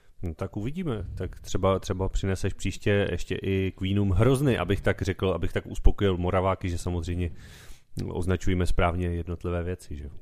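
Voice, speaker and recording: Very deep and low, a man's voice comes through a very clean recording with a silent background. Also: ordinary pitch variation. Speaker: podcast co-host. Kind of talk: casual chat. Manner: fast.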